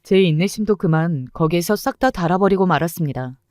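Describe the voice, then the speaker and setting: A woman tells a first-person radio story with bitter, vivid storytelling. Her voice sits a little low, and the recording is dry and close. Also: animated, brisk, a little mellow, no echo. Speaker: story narrator.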